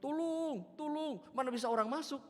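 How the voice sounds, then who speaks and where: Man doing a shrill, grumpy old Betawi lady. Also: sing-song, quick pace. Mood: panicked. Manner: shrill, brusque, shouting. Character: grumpy, blunt old woman neighbor. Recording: reverberant church hall.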